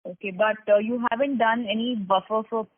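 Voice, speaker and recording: A woman's voice: on the high side, fairly even intonation, a little fast, dry recording. A woman analyst on an earnings call, asking detailed, probing questions about figures. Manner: probing, detailed, numbers-focused. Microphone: phone. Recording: husky voice over phone line.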